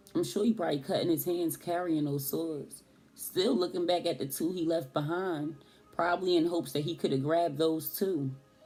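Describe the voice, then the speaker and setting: Music plays in the background while a woman speaks at a fairly quick pace. Her pitch is fairly low, with ordinary pitch variation. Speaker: tarot reader. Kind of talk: tarot reading. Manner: halting, stuttering.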